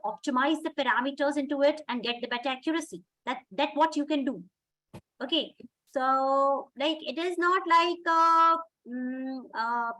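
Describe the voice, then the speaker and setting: A woman's voice: high-pitched, sharp tone, low-quality recording. A woman lecturer answering a student's question, explaining and repeating her points.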